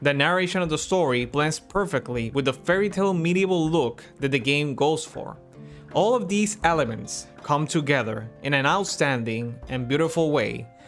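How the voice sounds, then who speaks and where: With music in the background, a man talks at a moderate pace. His intonation is lively. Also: fairly high pitch for a man. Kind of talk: video game review narration.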